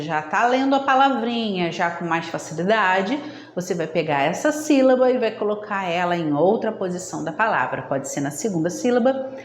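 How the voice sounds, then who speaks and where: A woman giving a didactic lesson on early reading, talking straight to viewers and checking in often. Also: lowish voice. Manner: didactic, addresses viewers directly, frequent "tá?" check-ins. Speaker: literacy educator. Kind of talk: instructional video talk. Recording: echoey room, faint background noise.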